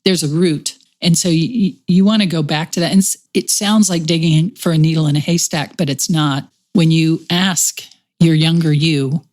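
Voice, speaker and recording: A middle-aged woman with a Texas accent talks in a calm, reflective way. Her voice sits a little low, and she keeps a gentle, reassuring tone as she explains ideas in conversation. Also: moderate pace. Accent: Texan. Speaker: podcast host. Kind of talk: conversational podcast chat.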